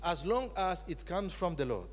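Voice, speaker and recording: A man preaching with a high, lively voice. He speaks slowly and leans hard on each phrase, going from shouts to low tones. The sound rings in a large reverberant hall. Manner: emphatic, swings from shouting to low, slow phrases. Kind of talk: sermon in English with live interpretation. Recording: echoey hall.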